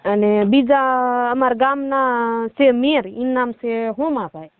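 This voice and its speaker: High-pitched rural Gujarati woman on the phone. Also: unhurried, clear, resonant tone, no echo. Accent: rural Saurashtra Gujarati. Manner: colloquial, rambling storytelling with reported dialogue. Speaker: caller seeking help with a marital dispute. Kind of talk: personal account on a phone call. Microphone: telephone. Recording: muffled narrowband phone call.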